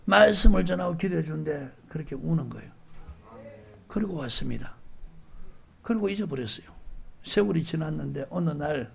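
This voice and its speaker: A middle-aged man preaching a sermon as pastor, often rising to shouted emphasis and putting questions to the congregation. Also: on the high side, vocal fry, husky.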